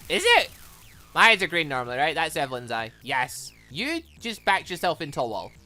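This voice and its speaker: An excitable gaming YouTuber reading a visual novel aloud and commenting on it in an animated, exclaiming manner. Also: mid-range voice, a little fast. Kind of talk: let's play commentary mixed with reading dialogue aloud. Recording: music behind the voice. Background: video game music.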